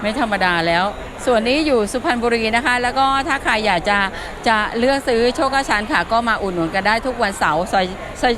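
Fast and barely pausing, a woman with a fairly high, animated voice wanders an outdoor plant market for her vlog. Over the noisy crowd and street sounds, she talks with vendors, exclaims a lot, and repeats what they say for viewers.

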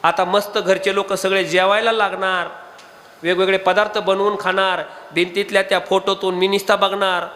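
A man with a Marathi accent preaching a devotional kirtan sermon, animated and throwing rhetorical questions at the audience. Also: sits high, normal speed, long reverb tail.

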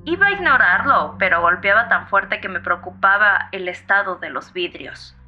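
An actress playing a feisty, fearless, irritated 911 caller in a horror audio story, brash and mocking, heard through a phone filter. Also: female voice, mid-range voice, lively intonation, normal speed, faint music behind. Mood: annoyed, unbothered. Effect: phone-line filter. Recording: thin band-limited phone sound.

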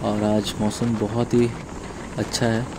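Man, low flat voice, riding narration, phone on bike, roaring wind. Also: slow pace. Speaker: vlogger on a bike trip. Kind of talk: travel narration while riding. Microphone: phone on a moving motorbike. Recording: phone mic with loud road wind.

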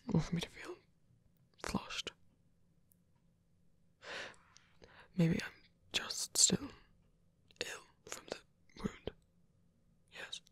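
A man voicing a wounded villain who is softening and flustered, murmuring haltingly in an intimate, formally worded ASMR roleplay. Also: a little high, breathy edge, exaggerated voice. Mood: wistful, musing. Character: wounded male villain, flustered, softening, tender toward rescuer.

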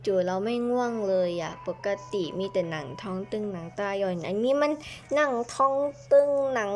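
A woman's voice: mid-range voice, expressive, moderate pace, darkish tone, soft background music. A woman chatting playfully through a game role-play, hopping between little characters.

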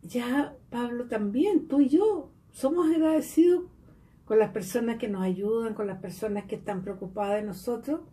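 A woman preaches in an earnest, caring tone, her voice a little high and mellow. She sits some distance from the mic, so the sound is a touch remote. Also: moderate pace. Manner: earnest, mimics complaining voices. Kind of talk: sermon.

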